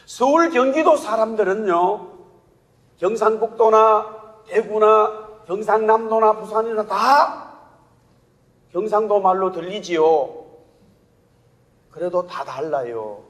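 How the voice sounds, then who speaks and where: A male pastor with a Gyeongsang Korean accent preaching a sermon, telling stories lively and asking the congregation rhetorical questions. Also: high voice, slow, long pauses. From Gyeongsang region, Korea. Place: church sanctuary. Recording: long church-hall reverb.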